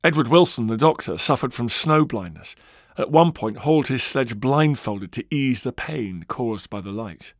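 A man's voice: medium pitch, lively intonation, normal speed, no echo, clean studio sound. Dramatic male documentary narrator. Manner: dramatic storytelling, varied emphasis. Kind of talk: scripted historical narration.

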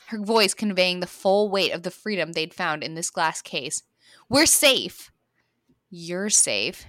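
A woman's voice: lowish voice, bright, forceful tone, dry recording, studio quality. A woman hosting a comedy podcast, reading her own racy story aloud and breaking into giggles.

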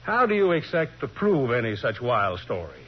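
Male rancher colonel, villainous, formal, dismissive, husky, animated pitch, 1940s radio drama, muffled recording. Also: normal speed. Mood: scornful, indignant. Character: indignant, scornful rancher colonel, a villainous man.

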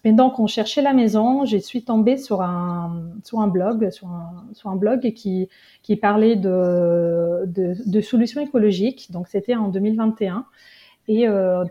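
A woman from Genoa in her thirties, speaking French with an Italian accent as an interview guest, pausing often with fillers and restarts. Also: medium pitch, lo-fi sound. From Italy, Genoa. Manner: hesitant, many fillers and restarts. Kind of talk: casual interview.

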